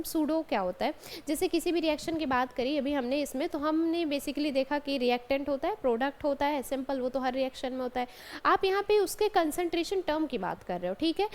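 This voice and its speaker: High-voiced woman lecturing on chemistry. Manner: explains step by step, often adds "ठीक है" and calls students "बेटा". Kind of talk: classroom lecture. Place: college classroom.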